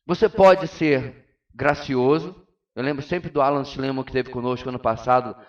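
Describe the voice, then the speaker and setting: A man's voice: on the high side, recorded from a distance, dull audio. A man with a Brazilian Portuguese accent, a pastor teaching a Sunday school class, preaching emphatically and asking his congregation rhetorical questions.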